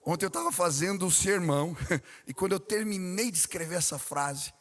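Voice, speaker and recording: A Brazilian man preaches a sermon, his voice sitting a little high for a man. He tells stories with lively delivery and asks the congregation questions. The sound rings with the long reverb of a large church hall. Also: brisk. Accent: Brazilian Portuguese. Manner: animated storytelling with questions to the congregation. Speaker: pastor. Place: church sanctuary.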